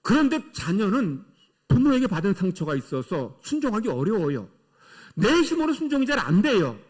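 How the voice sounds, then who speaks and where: A man's voice: high voice, sing-song, moderate pace, a little mellow. A middle-aged male pastor preaching a sermon in church, emphatic, with rhetorical questions to the congregation. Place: church sanctuary.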